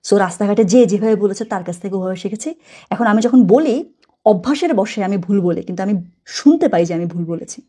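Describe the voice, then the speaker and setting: A woman's voice: mid-range voice, lively intonation, brisk, warm tone, breathy edge. A woman teaching German from a textbook, chatty, explaining words step by step and correcting herself as she goes.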